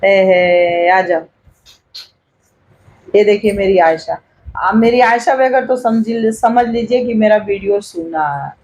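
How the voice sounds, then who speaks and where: A woman's voice: medium pitch, expressive, a little slow, pauses often, a little mellow, low-quality recording. An older woman, a grandmother vlogging at home, coaxing her baby granddaughter with repetitive sing-song baby talk into a hand-held clip-on mic. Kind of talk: home family vlog.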